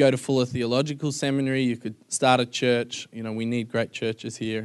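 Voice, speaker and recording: Flat and monotone, a man's medium-pitched voice moves at a moderate pace. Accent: Australian. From Australia. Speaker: pastor. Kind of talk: sermon.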